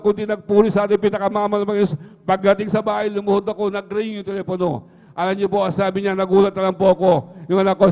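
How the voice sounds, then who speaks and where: A man's voice: high voice, a little mellow. A middle-aged man giving an earnest spoken testimony at a church worship service, repeating his address to the congregation over and over. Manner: earnest, repeats "mga minamahal" constantly. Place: church hall. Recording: livestream with long hall reverb.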